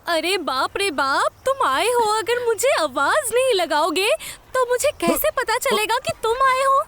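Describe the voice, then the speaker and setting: A sharp-tongued younger wife. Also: female voice, very high-pitched, lively intonation, a little slow, heavily acted. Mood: bickering. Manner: nagging, bickering. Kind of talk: Hindi dub of a comedic drama. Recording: music under the dialogue.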